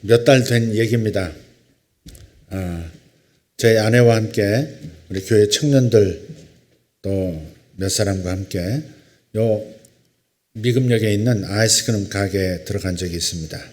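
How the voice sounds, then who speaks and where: A male pastor preaching a sermon, reading scripture slowly and solemnly, then telling a story in a relaxed, conversational way. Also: on the low side.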